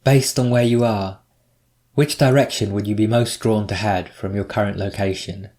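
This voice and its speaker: Man, lowish pitch, guided meditation narrator, scripted delivery, measured instructions, pauses between prompts. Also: fairly even intonation, darkish tone.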